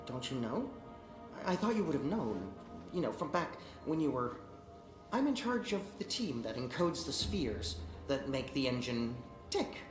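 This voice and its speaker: A man's voice: mid-range voice, sing-song, moderate pace, natural voice. A man voicing a nervous, scared and chatty lead engineer in a video game, stammering and rambling. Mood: nervous, hesitant. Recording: game audio, echoey, music behind.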